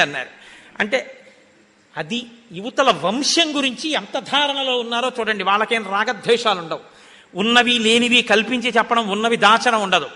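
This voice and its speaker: An older man with a Telugu accent gives a devotional discourse, his voice unusually high and piercingly bright. He shifts into slow chanting for Sanskrit verses, and a long hall reverb trails every phrase. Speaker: religious discourse speaker.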